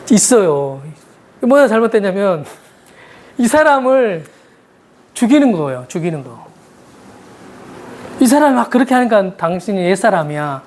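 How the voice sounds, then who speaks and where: A woman preaching a sermon in a conversational, storytelling way, posing rhetorical questions to her listeners. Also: a little high.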